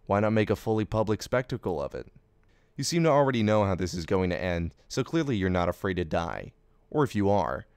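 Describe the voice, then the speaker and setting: A man's voice: fairly low pitch, a little mellow, dry recording, studio quality, natural voice. A man playing a bitter, sardonic, taunting character in an audio drama. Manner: sarcastic, taunting. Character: sardonic, bitter, foul-mouthed man goading a villain. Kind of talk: anime fan audio drama acting.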